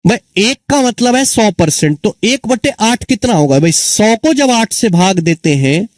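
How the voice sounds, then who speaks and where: A man teaches an exam-prep maths lesson in a high voice. He repeats each answer and keeps asking his students questions. The sound is dry and close, with no room around it. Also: expressive, measured pace, dry recording. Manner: calls students children and friends.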